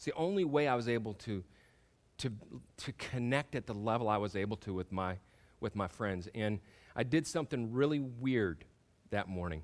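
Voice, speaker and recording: Animated, with lively intonation, a man speaks at a moderate pace and medium pitch, leaving long, frequent pauses, on a very clean recording with a silent background. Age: 50s. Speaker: pastor. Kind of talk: sermon.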